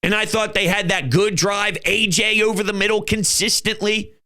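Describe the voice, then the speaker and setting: A man's voice: high-pitched, fairly even intonation, moderate pace, pushed and bright. A man hosting his own fan channel, talking football in an emphatic, fired-up way and swearing now and then. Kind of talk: fan commentary vlog.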